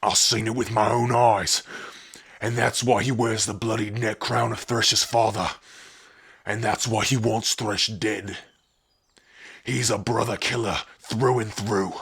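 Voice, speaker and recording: Man as Garak, a rough, rasping orc rebel. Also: fairly low pitch, level tone, measured pace, fairly bright tone, full character voice. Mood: accusing, rousing. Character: Garak Steeljaw, loyal, blunt male orc rebel. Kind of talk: ASMR fantasy audio roleplay.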